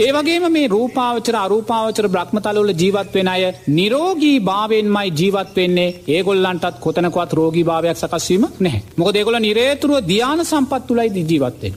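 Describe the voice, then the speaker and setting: With a Sri Lankan accent, a man speaks at a very slow pace in a high pitch, keeping his loudness very even. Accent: Sinhala. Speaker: Buddhist monk. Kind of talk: dharma talk answering questions.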